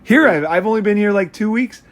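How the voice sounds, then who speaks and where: Casual American male talker, slightly high voice, loose and rambling, unfiltered and sweary. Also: a little fast, fairly bright tone. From United States. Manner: rambling, blunt, profane. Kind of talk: casual chat.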